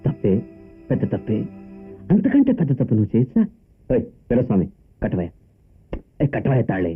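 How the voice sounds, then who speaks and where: Devoted young son, earnest, quick, lo-fi film sound. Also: male voice, medium pitch, huge pitch swings, husky, heavily acted. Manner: earnest, emotional, tearful at times. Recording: tinny lo-fi film soundtrack with music.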